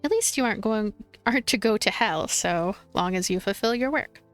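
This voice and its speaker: A woman reading a visual novel aloud as a let's play streamer, expressive and playful, with commentary. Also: medium pitch, brisk. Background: game music.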